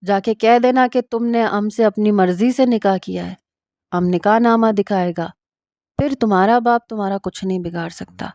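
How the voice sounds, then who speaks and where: A woman voicing a blunt young Pathan husband who talks in a gruff, plain way with a Pashtun-accented Urdu. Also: mid-range voice, a little mellow, no echo, clean studio sound, lightly acted.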